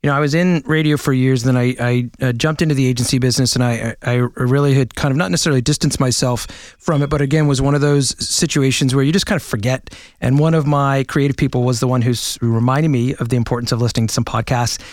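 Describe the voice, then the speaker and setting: A man's voice: medium pitch, fairly even intonation, fast, darkish tone, dry recording, studio quality. A man hosting a marketing podcast, chatting with enthusiasm and frequent restarts. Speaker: podcast host. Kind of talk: podcast interview. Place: New York studio.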